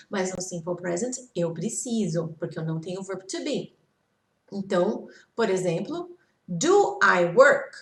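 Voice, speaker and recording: Lively-voiced woman teaching grammar, echoey room. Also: medium pitch. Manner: patient, slow model phrases, checks in with "ok?". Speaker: English teacher. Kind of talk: slide-based grammar lesson.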